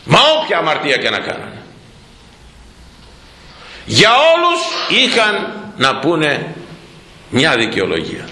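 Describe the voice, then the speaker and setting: Animated preacher man, echoey room. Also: slight background noise. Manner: animated, swooping pitch, quotes old scripture slowly. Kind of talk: sermon.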